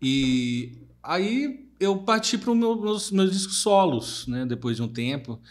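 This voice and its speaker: A man from Bahia, a musician, telling his story in a relaxed interview with many restarts. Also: high-pitched, slow. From Bahia, Brazil. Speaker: musician guest. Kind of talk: casual interview chat.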